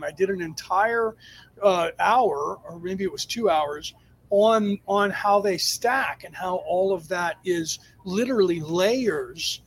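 A man with a fairly high-pitched voice speaks as a spiritual teacher answering a live audience. He explains things emphatically and off the cuff, in stop-and-start phrases. A faint rumbling noise sits under the recording. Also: poor audio. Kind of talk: extemporaneous spiritual lecture to a live chat.

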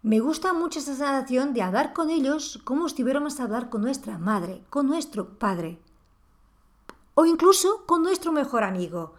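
A woman's voice: high voice, expressive, moderate pace. A woman talking through a reflective monologue on parenting, asking the listener rhetorical questions. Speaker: parenting podcast host.

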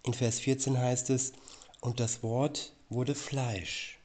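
A man reading Bible verses aloud and explaining them in a slow, deliberate preaching style. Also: medium pitch, steady tone, a little mellow. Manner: slow, measured, deliberate delivery.

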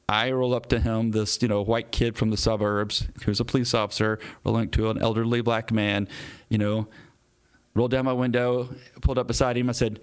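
A police officer telling an earnest personal story in an interview, acting out his own quotes with animated shifts. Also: on the low side, clear, resonant tone.

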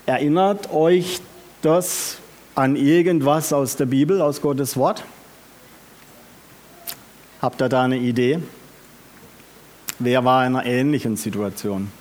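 Unhurried male preacher asking questions. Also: mid-range voice. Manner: asks the audience questions, lively and emphatic. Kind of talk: sermon.

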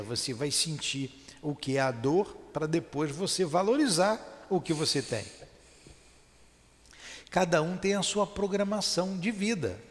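Animated high-voiced man teaching. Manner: emphatic, asks and answers his own questions. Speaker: spiritist teacher. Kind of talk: didactic explanation with rhetorical questions. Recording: reverberant room.

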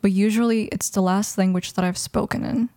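A woman's voice: medium pitch, fairly even intonation, brisk, mellow, no room sound. A woman of twenty, raised in Mexico with Russian as her first language, talking thoughtfully in a casual interview with many restarts. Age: 20s. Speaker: guest.

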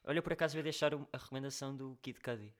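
A young man talks at a quick clip as a podcast co-host. His delivery is casual, slangy and rambling, full of joking asides, at an ordinary male pitch. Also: fairly even intonation. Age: 20s. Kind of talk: casual chat.

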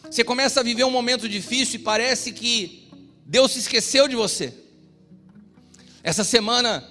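A middle-aged Brazilian pastor preaching a sermon with personal stories, shifting between loud exhortation and quiet storytelling. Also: male voice, sits high. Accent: Brazilian Portuguese. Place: church. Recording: reverberant church hall with music.

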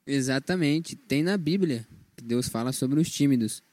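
A Brazilian man on a casual Christian podcast speaks modestly and openly admits to his own shyness. His voice is dark and mellow. The recording is close and dry, with no room sound. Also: mid-range voice, normal speed, dry recording. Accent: Brazilian Portuguese. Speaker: podcast co-host.

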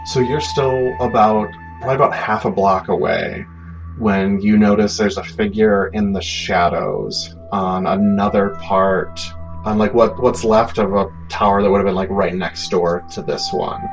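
A man working as game master, narrating a tabletop game in a halting, conversational way with many asides. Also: on the low side, fairly even intonation. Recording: dull, muffled sound under prominent music.

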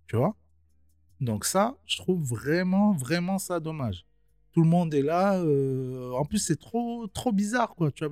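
A man's voice: on the high side, darkish tone, no room sound, studio quality. A young man giving a casual film review, slangy and chatty, talking straight to his viewers.

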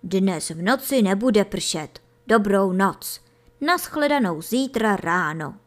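A no-nonsense rabbit father, as a woman reads him, firm and a touch louder than the narration. He talks in a brisk, matter-of-fact way in a children's storybook. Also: medium pitch, animated, close to an everyday voice. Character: practical male rabbit father, brisk and growing impatient. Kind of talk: storybook reading.

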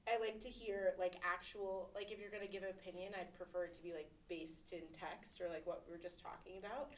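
A woman's voice: lowish voice, fairly even intonation, a little fast. A woman in her twenties chatting casually as a podcast co-host, telling stories in a candid, sarcastic way. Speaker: podcast co-host, law student. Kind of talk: casual chat.

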